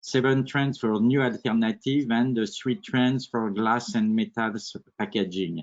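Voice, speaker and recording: A man's medium pitch, with a French accent. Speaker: packaging expert, author. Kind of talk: presentation. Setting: online webinar. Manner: halting, many fillers.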